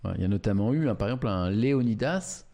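A man's voice: on the low side, lively intonation, quick pace, gravelly, mellow. A man, streaming live and reading out and reacting to viewer chat in a chatty, amused way.

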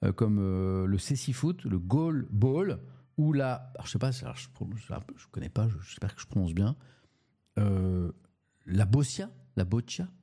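Gravelly, dark-voiced man reviewing papers. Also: fairly low pitch, animated. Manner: halting, with frequent restarts and repeated words; chatty, asks the audience questions. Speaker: Twitch streamer reviewing the morning papers. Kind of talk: casual live-stream press review.

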